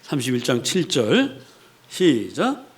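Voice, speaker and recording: A pastor with a mid-range voice preaches slowly, his pitch swooping wildly. He keeps the sermon conversational, asking the congregation questions and performing the voices of the people he quotes.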